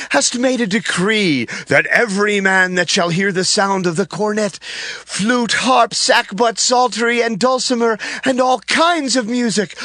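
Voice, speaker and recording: Sharp, high-pitched scheming courtier. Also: male voice, no echo, exaggerated voice. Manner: formal, emphatic, accusing. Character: scheming Chaldean courtier denouncing rivals to king. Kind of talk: dramatized scripture acting.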